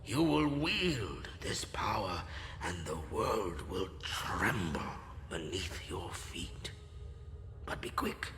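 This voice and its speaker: An actor playing a grave, solemn old tribal elder in a game, with a gravelly, breathy voice and weighty delivery. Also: male voice, low voice, very animated, a bit bright, a little hiss or hum, full character voice. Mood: grave urging. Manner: slow, weighty, portentous. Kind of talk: solemn dramatic game cutscene monologue.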